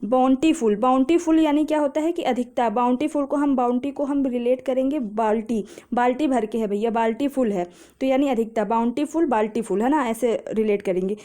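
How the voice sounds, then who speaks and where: High-voiced woman teaching vocabulary. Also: dark tone. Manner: explains patiently with memory tricks, asks and answers own questions; reads English phrases slowly. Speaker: exam prep teacher. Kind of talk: vocabulary lesson.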